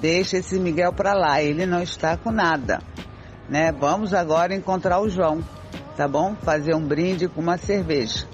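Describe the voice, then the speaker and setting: An easygoing, reassuring friend acted by a man in a radio soap. The voice is fairly high, with faint music behind. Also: normal speed, lo-fi sound, close to an everyday voice. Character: easygoing friend consoling jilted women. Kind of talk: amateur improvised radio soap opera.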